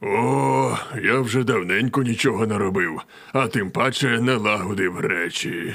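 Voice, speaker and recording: A man's raspy, cartoonish character voice, fairly low in pitch, with lively intonation at a moderate pace. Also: very even loudness. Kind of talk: cartoon voice dubbing. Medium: fan dub. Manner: soft, melancholy, weary.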